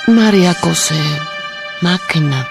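An actress in a radio drama playing a lonely, grieving Mennonite woman, speaking in short broken fragments with a gravelly voice. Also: on the low side, animated, music in the background, full character voice. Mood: weary, sad. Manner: very slow, halting, third-person speech in short fragments. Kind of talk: radio drama monologue in broken, telegraphic sentences.

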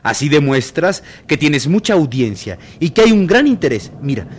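Male audiobook reader, expressive, dramatic, animated pitch. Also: moderate pace, slightly rough. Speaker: audiobook narrator. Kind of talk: audiobook reading with character voices.

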